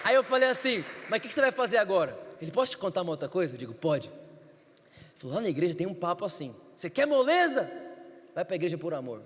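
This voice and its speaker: A man's voice: sits high, sing-song, fast talker, some chatter behind, a little hiss or hum. Emphatic man preaching in a reverberant church. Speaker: pastor. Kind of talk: sermon.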